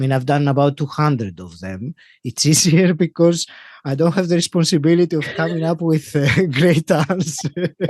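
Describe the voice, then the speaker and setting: A man with a Greek accent at a moderate pace, fairly high-pitched for a man, with ordinary pitch variation, a dry, close sound with no echo and a quiet background. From Greece. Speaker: podcast host, guest. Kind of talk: interview podcast.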